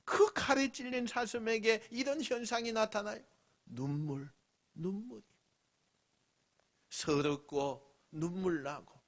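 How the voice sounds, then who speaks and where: A man with a Busan accent preaching a sermon as pastor, dramatic, swinging from loud lines to whispers and acting out mocking voices. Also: high-pitched, slow pace, long pauses. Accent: Busan Gyeongsang dialect. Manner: acts out mocking voices of scoffers.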